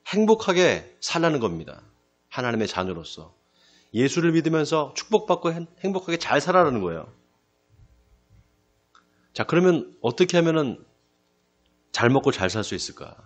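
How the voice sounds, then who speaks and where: A male pastor giving a sermon. He asks the congregation questions and answers them himself, slows down to stress key phrases, and often drops to a quiet close. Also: a little high. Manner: lively preaching, rising then dropping to a quiet close. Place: church sanctuary.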